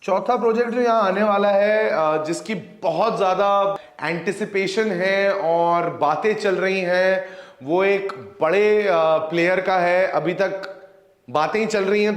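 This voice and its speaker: A man's voice: high-pitched, unhurried, roomy sound. A man in his thirties, a real estate agent with an Indian accent, giving a casual, jokey sales talk that mixes Hindi and English.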